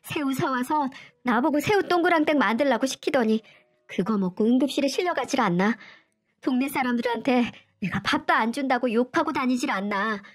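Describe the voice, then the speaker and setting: A woman doing a shrill, tearful young wife. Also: animated, normal speed, soft background music. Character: young wife, fed up and furious.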